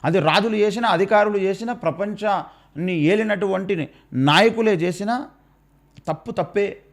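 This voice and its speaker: A Christian commentator with a Telangana Telugu accent delivers a preachy rebuttal, scolding like a preacher with rhetorical questions and warnings repeated over and over. His voice is slightly higher than most men's, at a moderate pace.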